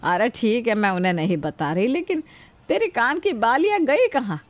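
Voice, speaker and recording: A woman's voice: on the high side, animated, moderate pace, no room sound, natural voice. A middle-aged woman playing a kind, protective mother-in-law who scolds yet shields her daughter-in-law.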